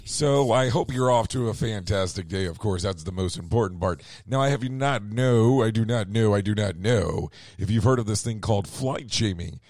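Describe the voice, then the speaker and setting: A man's voice: lowish voice, moderate pace, few pauses, a little mellow, no echo. A man hosting a radio show and losing his voice, rambling through the news with sarcastic asides and self-corrections. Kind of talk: casual news commentary.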